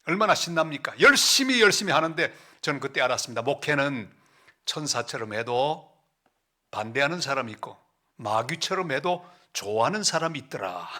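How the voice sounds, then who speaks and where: A middle-aged pastor with a Gyeongsang accent preaching a sermon in a church, storytelling with big swings and sudden hushed, slow asides. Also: male voice, medium pitch, animated. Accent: Gyeongsang Korean. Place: church sanctuary.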